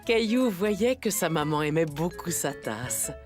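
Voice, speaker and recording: A woman narrating a scripted story for small children in a gentle storyteller's manner, with music behind. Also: lowish voice, expressive, measured pace. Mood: gentle, storytelling.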